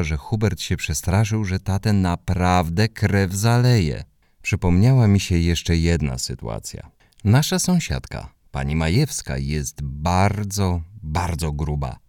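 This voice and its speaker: A man narrating a children's audiobook in the first person, with lively, expressive storytelling. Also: low-pitched, unhurried, dry recording, studio quality.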